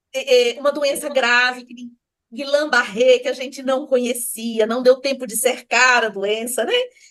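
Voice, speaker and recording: A woman with a Minas Gerais accent speaks at a high pitch and a fairly slow pace, in a monotone, flat way. Her loudness swings widely. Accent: Mineiro Brazilian Portuguese. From Minas Gerais, Brazil. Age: 60s. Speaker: university lecturer, community member. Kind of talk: personal testimony in live online class. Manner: halting, many fillers.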